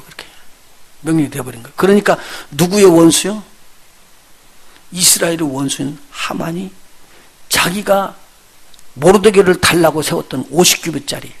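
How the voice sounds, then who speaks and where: A male pastor preaching a sermon, telling the story with lively, acted-out voices and putting questions straight to his congregation. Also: a little high, normal speed, creaky, breathy edge. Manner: lively storytelling, acts out the characters he retells; addresses the congregation directly with questions.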